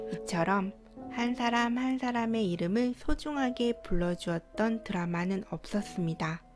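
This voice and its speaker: A woman's fairly high voice with lively intonation and a fairly slow pace, music in the background. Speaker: drama review narrator. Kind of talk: drama review narration.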